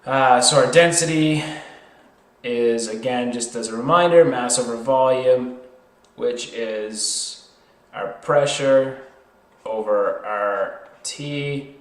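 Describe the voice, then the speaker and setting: A man's voice: medium pitch, takes it slowly. A man tutoring in an informal way, working through a problem step by step and thinking aloud. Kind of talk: worked chemistry problem lesson, explained step by step. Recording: roomy, echoey sound.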